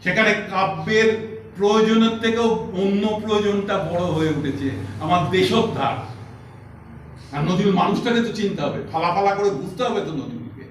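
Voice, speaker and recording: A man's voice: sits high, fairly quick, distant mic, slight background noise. Teacherly man lecturing in an echoey hall. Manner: emphatic, teacherly, quotes poetry aloud. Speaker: speaker at a literary meeting. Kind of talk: lecture speech. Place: meeting hall.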